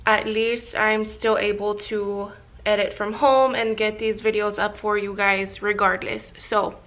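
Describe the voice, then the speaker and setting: Chatty woman in her thirties, flat-toned. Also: medium pitch. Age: 30s. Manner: rambling, many fillers and restarts. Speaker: vlogger and makeup artist. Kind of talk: casual chat to camera. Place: small office room indoors. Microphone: camera at desk, close framing.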